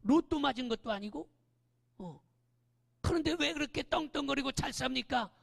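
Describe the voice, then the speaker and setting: A male pastor preaching a lively sermon in a church, often raising his voice and prodding the congregation with quick questions. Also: very high voice, creaky. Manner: animated, often shouting, keeps asking the congregation "eh?". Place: church sanctuary. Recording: long church-hall reverb.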